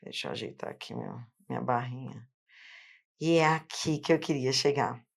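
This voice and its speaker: This woman's voice is very deep, creaky and husky, moving at a moderate pace. She's a Rio de Janeiro teacher with a Carioca Brazilian Portuguese accent, patiently explaining a phonetics lesson at a board online, one step at a time.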